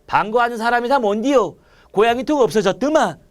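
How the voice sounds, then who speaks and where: A man's voice: extremely high pitch, lively intonation, brisk. A man reading aloud the lines of a weary, displaced man from a novel, in Gyeongsang dialect.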